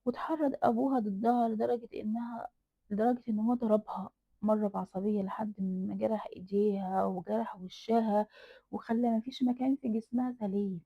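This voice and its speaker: A woman's voice: medium pitch, steady tone, fairly quick, slightly rough, no echo. Egyptian woman telling a horror tale. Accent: Egyptian Arabic. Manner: dramatic, repeats phrases for emphasis. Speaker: storyteller. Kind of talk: horror story narration. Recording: dry tinny phone-like sound.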